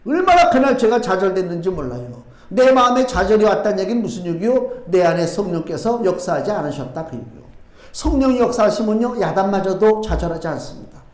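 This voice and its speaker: A middle-aged man with a high, light voice preaches to his congregation. He talks in a chatty, questioning way, answering his own rhetorical questions. The sound rings around an echoey church room. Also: sing-song, a little fast, a little mellow. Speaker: pastor. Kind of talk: sermon. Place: church sanctuary.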